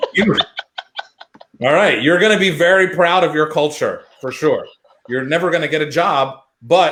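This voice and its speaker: In a Midwestern accent, a man with a high pitch and an animated tone speaks at a moderate pace with long, frequent pauses. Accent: American Midwest. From US Midwest, Michigan. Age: 40s. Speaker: comedian. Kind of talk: casual interview.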